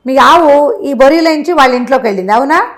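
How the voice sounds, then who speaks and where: A woman voicing a shrewd, kindly king from a folk tale, brisk and assured, checking each point with a question. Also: high voice, expressive, pitched above the performer's own voice. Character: shrewd, kindly king in his thirties or forties, questioning a petitioner.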